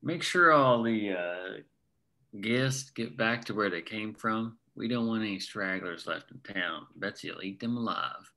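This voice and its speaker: A man's voice: lowish voice, lively intonation, unhurried, sharp tone, full character voice. A man reading the part of a blunt, stern man with a dry delivery during a screenplay table read.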